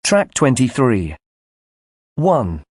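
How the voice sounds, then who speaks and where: A man announcing track and item numbers in a slow, deliberate way. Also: medium pitch, huge pitch swings, no echo, clean studio sound.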